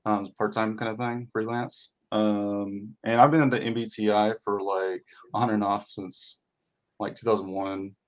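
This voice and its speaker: A man guest on a group video call, laid-back and quick to laugh. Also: fairly low pitch, little pitch movement.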